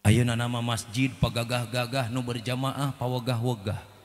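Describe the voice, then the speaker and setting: A man with a Sundanese accent preaching a comic sermon, swinging between chanted verses, shouted warnings and low joking asides. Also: flat delivery, moderate pace. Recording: hall reverb, faint background noise.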